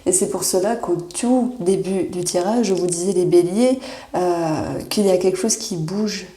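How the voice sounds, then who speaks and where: A woman giving a monthly horoscope tarot reading, reassuring and often pausing with fillers as she searches for words. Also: on the low side, warm tone. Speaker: tarot reader. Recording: echoey room.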